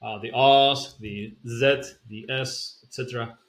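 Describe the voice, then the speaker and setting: A man's voice: mid-range voice, measured pace, reverberant. A young man from the Basque Country whose first language is Basque. He speaks English with a Basque accent that carries a slight German tinge, talking casually with fillers and restarts. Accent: Basque-influenced English with a slight German tinge. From Basque Country, Spain. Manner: chatty and relaxed, with frequent fillers and restarts. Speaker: language-learning YouTuber. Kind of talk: casual talk to camera.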